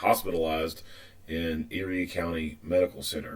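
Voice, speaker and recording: Speaking at a medium rate, a man's voice comes across as somewhat breathy. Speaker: firearms and police training instructor reviewing footage. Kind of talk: video commentary reading a news article. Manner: casual with many fillers.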